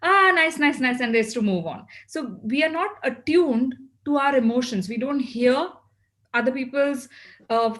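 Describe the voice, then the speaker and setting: South Asian-accented woman, higher-pitched, giving a talk. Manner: instructive, asks and answers own questions. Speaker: well-being speaker addressing a group. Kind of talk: motivational talk.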